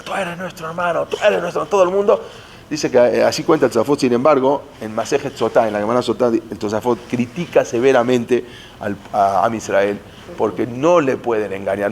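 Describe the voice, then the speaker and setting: A man teaching Jewish history, telling the story dramatically and mixing in Hebrew terms. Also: fairly high pitch. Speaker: Torah teacher.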